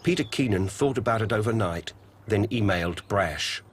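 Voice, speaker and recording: Deep-voiced New documentary narrator. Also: male voice, expressive, moderate pace, slight background noise.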